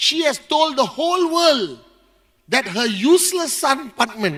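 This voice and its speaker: Bright and sharp in tone, a man's voice swings very widely in pitch. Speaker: motivational speaker. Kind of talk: motivational talk. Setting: stage with audience. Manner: loud; animated.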